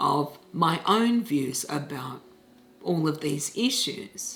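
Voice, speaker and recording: Someone with an Australian accent speaks over music in the background. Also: woman. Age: 60s. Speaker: book reviewer. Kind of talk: spoken book review.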